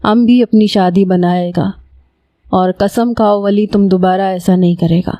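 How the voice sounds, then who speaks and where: A woman's voice: mid-range voice, fairly even intonation, no room sound, dull audio, lightly acted. A woman voicing an emotional young Pathan man who speaks Urdu with a Pashto accent and Pashto-style broken grammar. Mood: pleading.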